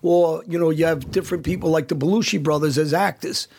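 A man's voice: a little high, steady tone, fast, vocal fry, a crowd in the background. A man hosting a podcast in casual chat, blunt and emphatic, often restarting his sentences. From United States. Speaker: podcast host.

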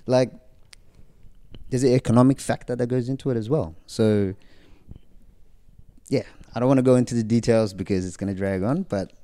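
A man's voice: medium pitch, moderate pace, pauses often, dark tone. A young man in a casual group chat, firm and repeating his point.

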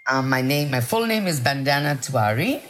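A woman from Nepal who grew up in India, a journalist and podcast guest, telling her story in an articulate, animated way. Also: very deep voice, brisk, soft background music. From Nepal, raised in India. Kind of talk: casual conversational interview.

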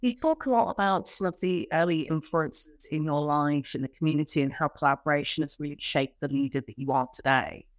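A woman's voice: low-pitched, brisk, few pauses. A woman hosting an interview podcast, talking conversationally in an appreciative way with long lead-ins. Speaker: podcast host interviewing a guest.

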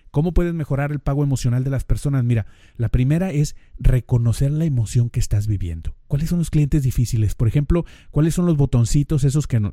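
A man's voice: medium pitch, warm tone, no room sound, studio quality. A man with a northern Mexican accent hosting a podcast in a casual monologue, speaking straight to the listener and acting out little dialogues. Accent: northern Mexican Spanish. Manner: conversational, addresses listener directly, acts out little dialogues. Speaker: podcast host.

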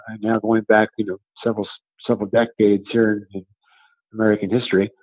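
A man in his seventies with a fairly low, flat voice answers interview questions as a coach and author. The recording is narrow and tinny, and he explains haltingly, repeating words as his thoughts form.

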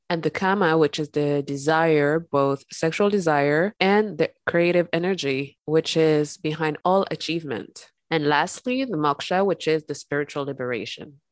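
A woman hosting a spiritual podcast, talking gently and calmly while congested from an illness. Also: low voice, no room sound, clean studio sound. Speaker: podcast host. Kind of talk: calm spiritual podcast talk.

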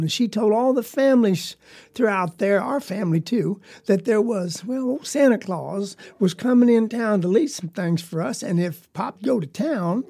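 A man telling the tale as an earnest poor country boy with a rural Southern US accent. He rambles along in a folksy drawl with a gravelly, husky grain to the voice. The tone stays sincere and simple. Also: high-pitched, dark tone, heavily acted. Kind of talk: storytelling monologue.

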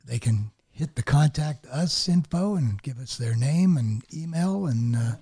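Husky mid-pitched man. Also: expressive, unhurried, dark tone. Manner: agreeable, brief interjections. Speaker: actor and producer guest. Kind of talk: casual chat.

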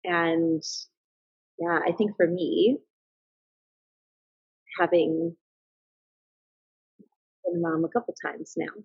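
Very husky, gravelly-voiced woman. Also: on the low side, fairly even intonation, takes it slowly, long pauses, no echo. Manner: thoughtful and earnest, with frequent restarts. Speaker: podcast guest, mother and business owner. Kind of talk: casual reflective interview talk. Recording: slightly dull, lo-fi sound.

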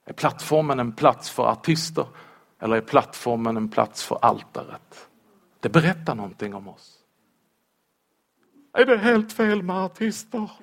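A man preaching a sermon in church, lively and humorous, asking rhetorical questions of the congregation. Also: mid-range voice, vocal fry, long pauses.

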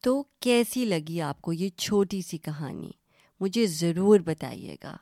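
A woman's voice: on the low side, lively intonation, dark tone, dry recording, studio quality. A woman hosting a children's story podcast, telling stories and quizzing young listeners in a friendly, teacherly way that mixes Urdu and English.

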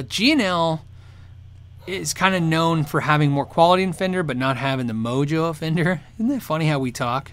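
A man's voice: on the high side, a bit bright. A man hosting a guitar show, chatting casually and answering viewer questions, rambling and restarting sentences and laughing often. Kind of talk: casual live chat.

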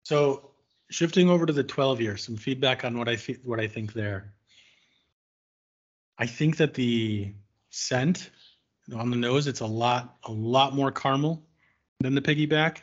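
A man's voice: medium pitch, measured pace, pauses often, muffled recording. A man hosting a casual whiskey tasting, thoughtful and searching for words, with frequent fillers.

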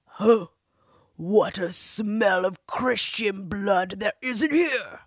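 A woman voicing a huge, gruff male giant who bullies and shouts slowly, with a breathy voice. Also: expressive, no room sound, clean studio sound. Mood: roaring suspicious. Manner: slow booming shouts.

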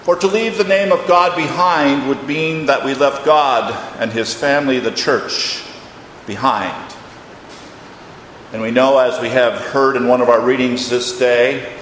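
The older man's medium-pitched, somewhat bright voice carries solemn, emphatic phrasing as this retired pastor prays and reads a sermon during a church service. Long reverb fills the echoey hall, and faint noise lingers underneath.

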